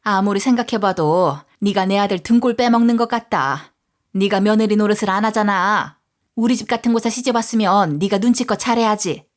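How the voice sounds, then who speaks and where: A woman's voice: mid-range voice, a little fast, lightly acted. A woman voicing a harsh, scornful older mother-in-law in a story reading, speaking in curt, scolding phrases. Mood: sneering.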